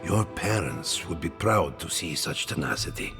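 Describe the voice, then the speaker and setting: Bright, animated old male mentor. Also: rumbling low, normal speed, soft background music, full character voice. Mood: gently chiding. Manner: earnest, courteous. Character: principled, protective old male mentor scholar. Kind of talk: dramatic video game dialogue.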